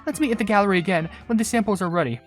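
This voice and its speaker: A host puts on a refined cookie fashion designer from a mobile game. The voice is pitched far up, lofty and gushing, with music behind it. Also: rapid-fire, lightly acted. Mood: refined delight.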